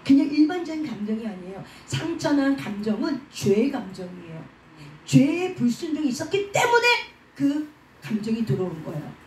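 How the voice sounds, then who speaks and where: A woman's voice: fairly high pitch, big pitch swings, normal speed, darkish tone, a little hiss or hum. A woman preaching a sermon at a prayer house, asking rhetorical questions and answering them herself, and leading the congregation in repeating after her. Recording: echoey room, voice from a distant mic.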